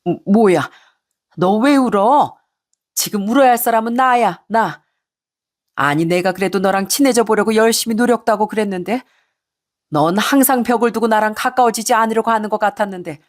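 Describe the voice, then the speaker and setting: A wounded mother-in-law in her sixties, as a woman puts her on, pouring out reproachful questions at a middle pitch in a spoken storybook. Her voice climbs sharply as she presses for answers. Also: normal speed, natural voice. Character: hurt indignant Korean mother-in-law, 60s.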